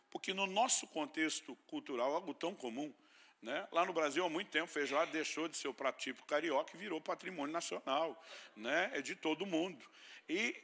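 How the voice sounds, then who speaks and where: Here the pastor's voice is fairly high, creaky and bright, with a forceful, slightly rough edge. Preaching with a Brazilian Portuguese accent, he weaves teaching together with comic personal tales in a playful storytelling style.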